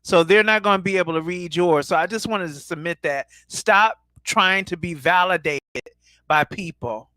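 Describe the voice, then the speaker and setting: A man co-hosts a casual podcast, speaking in a measured, thoughtful way with frequent fillers. His voice is bright and fairly high, and it is recorded dry and close. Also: no room sound.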